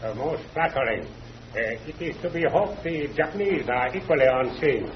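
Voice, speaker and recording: An actor playing a loyal, ornately polite male jungle companion in a 1940s radio drama, pausing on "uh" as he talks. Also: mid-range voice, expressive, natural voice. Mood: dry. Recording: dull lo-fi 1940s radio recording with hiss.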